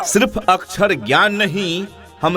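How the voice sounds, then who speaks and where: A man with an upbeat, energetic tone over music in the background. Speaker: advertisement voice-over artist. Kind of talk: school radio advertisement read. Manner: upbeat, energetic, promotional.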